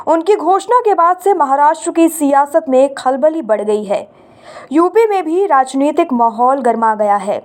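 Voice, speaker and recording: A woman news anchor reading a scripted bulletin in a brisk, formal manner. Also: high voice.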